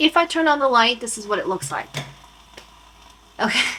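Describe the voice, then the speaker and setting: The woman's pitch rises and falls across a very wide range, and there is noticeable noise in the background. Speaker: book vlogger. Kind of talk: casual vlog talk to camera. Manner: animated.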